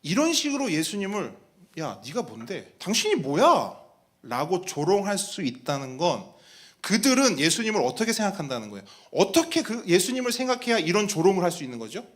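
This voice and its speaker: Guy pastor preaching, high voice jumping all over, acts out sneering lines, keeps asking the church stuff. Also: big pitch swings, quick pace. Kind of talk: sermon.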